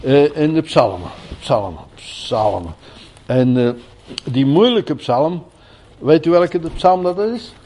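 Older male preacher, high voice, slow delivery, folksy with emphatic repeats. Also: animated, a little hiss or hum. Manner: folksy, swings from quiet asides to loud emphatic repetition. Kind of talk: sermon.

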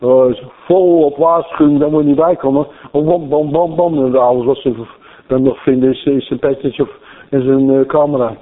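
A man preaching a storytelling sermon, animated and repeating phrases for emphasis, heard through a thin, phone-like radio broadcast. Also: medium pitch, a little fast.

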